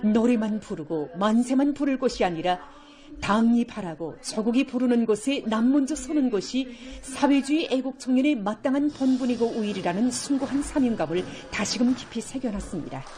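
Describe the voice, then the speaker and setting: A woman's voice: a little high, expressive, moderate pace, dark tone, soft background music. A woman announcer with a North Korean accent reading scripted news in a formal, solemn declamatory manner. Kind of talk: scripted broadcast news narration.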